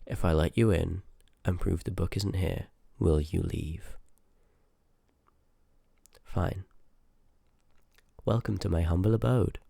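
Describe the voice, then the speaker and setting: Man performing a reluctant haunted-house sorcerer, very low pitch, crackly creaky edge, dismissive, sarcastic, grumbling, fantasy audio roleplay. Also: slow pace, long pauses, warm tone, no echo, studio quality, full character voice. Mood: grudging, dry. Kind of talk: ASMR roleplay voice acting, scripted.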